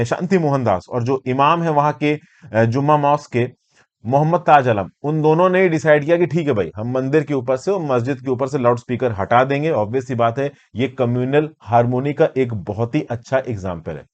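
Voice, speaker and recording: A medium-pitched, darkish-toned male voice with an Indian accent delivers an explanatory lecture on current affairs to exam students. The presenter is an educator whose style is conversational and teacherly, mixing English terms with questions put to the audience.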